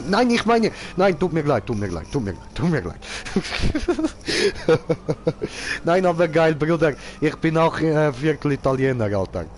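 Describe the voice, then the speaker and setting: A man's voice: on the high side, darkish tone, slight background noise. A man giving casual live gaming commentary in clownish, slangy broken grammar, as a streamer. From Switzerland. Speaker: game streamer.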